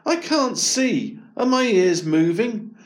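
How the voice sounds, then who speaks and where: A man voicing a curious, excitable young boy in a storybook reading, full of eager questions. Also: high-pitched, takes it slowly, pitched above the performer's own voice, exaggerated voice.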